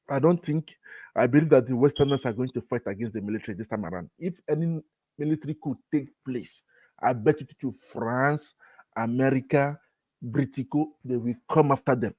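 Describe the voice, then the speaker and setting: A man's voice: mid-range voice, mellow, dry recording. Insistent Nigerian man, dry close sound. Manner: insistent, repeats himself. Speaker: panel guest. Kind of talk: casual panel banter.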